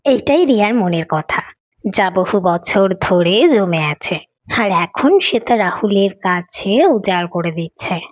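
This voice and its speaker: A woman's voice: medium pitch, lively intonation, takes it slowly, no echo. Woman narrating a story, slightly muffled. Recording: dull lo-fi audio with faint music. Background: faint music.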